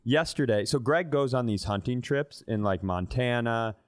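A man's voice: mid-range voice, normal speed, no room sound, clean studio sound. A man co-hosting a podcast, telling casual comedic stories, swearing freely and acting out dialogue in exaggerated voices. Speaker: podcast co-host.

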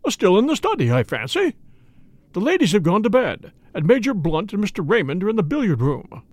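A man's voice: sits high, wildly swooping pitch, fairly quick, darkish tone, no echo, pitched above the performer's own voice, heavily acted. A man voicing a proper, deferential butler in an audiobook, formal and servile, easily shocked. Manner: formal, servile, punctuated with "sir". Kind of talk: audiobook character dialogue.

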